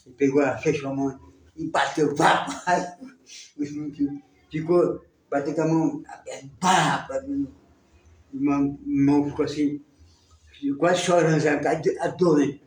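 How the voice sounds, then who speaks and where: Halting church teacher, roomy and distant. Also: male voice, a little high, steady tone. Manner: casual, halting, many repetitions. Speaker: Bible class teacher. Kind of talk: storytelling in a church lesson. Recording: roomy sound, distant mic.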